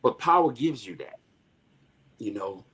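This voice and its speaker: A man's voice: medium pitch, animated, a little slow, fairly bright tone, slightly rough. A man, a podcast guest, telling his life story as a personal testimony, acting out what others said. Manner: storytelling, acting out quoted voices.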